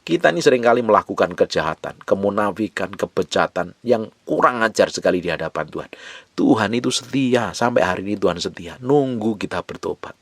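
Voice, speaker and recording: A man a slight touch preaches a sermon, driving each point home by repeating it and breaking into sudden loud rises. His voice sits low. It is recorded close and dry, no room sound. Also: animated, fairly quick, no room sound. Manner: emphatic, repetitive exhortation with sudden rises. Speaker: pastor.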